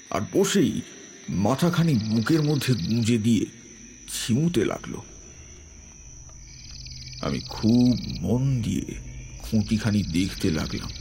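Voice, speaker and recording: A man narrating a scripted horror story in a slow, measured, atmospheric way. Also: fairly low pitch, a little mellow, slight background noise.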